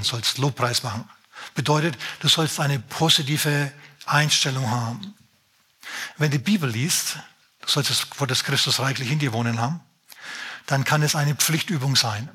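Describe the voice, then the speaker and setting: A man's voice: fairly high pitch, pushed and bright, slightly rough. A man preaching a sermon as pastor, emphatic and speaking straight to his listeners.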